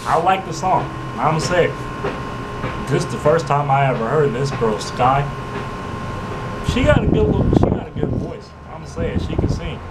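A man's voice: a little high, background noise. A young man casually talking to the camera as a music reaction vlogger, rambling and laid-back with lots of fillers, in a small room. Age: young adult. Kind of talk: casual slangy monologue to camera.

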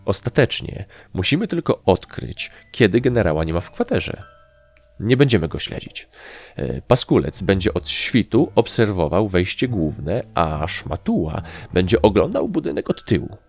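An impatient sprite squad leader barking orders in a raised voice, as a male narrator puts him on. He loses his temper quickly, with wide, lively swings in pitch. A storybook commander with a short fuse. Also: soft background music, heavily acted. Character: bossy sprite squad leader, easily irritated.

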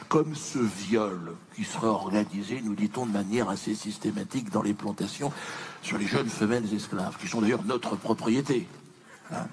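A man's voice: medium pitch, natural voice. A man performing punchy stand-up as a pompous, self-pitying slave owner from the colonial past, theatrical, indignant and mock-dignified. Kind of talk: punchy stand-up comedy character monologue. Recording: noisy live theatre stage recording.

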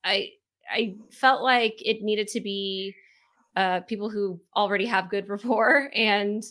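A woman's voice: medium pitch, steady tone, unhurried, a bit bright. A woman guest chatting casually in an interview, talking easily and often restarting her sentences. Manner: chatty, with frequent restarts and laughter. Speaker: podcast co-host and marketer.

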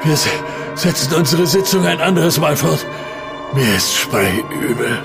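Irritable formal gentleman, slightly high voice, stammers under strain, music bed. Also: lively intonation, measured pace, gravelly. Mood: faltering. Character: uneasy, impatient widowed gentleman client, growing frightened. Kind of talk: radio play acting.

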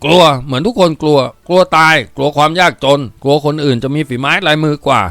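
A man's voice: on the high side, fast, creaky, a bit bright, dry recording, faint music behind, voice pushed up. A man playing a cool-headed young son. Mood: frank. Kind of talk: audiobook character reading.

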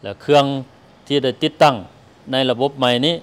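Middle aged guy, official talking to press on handheld mic, super fast, smooth clear voice. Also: mid-range voice, fairly even intonation. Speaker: government official, air traffic director general. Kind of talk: press interview statement. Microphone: handheld interview microphone.

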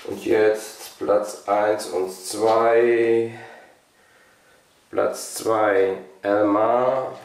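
Slow, low-voiced man in an echoey room. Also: fairly even intonation, darkish tone. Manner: halting, thinking aloud. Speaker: host of a knife collection channel. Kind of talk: casual product showcase, unscripted. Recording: roomy echo, distant microphone.

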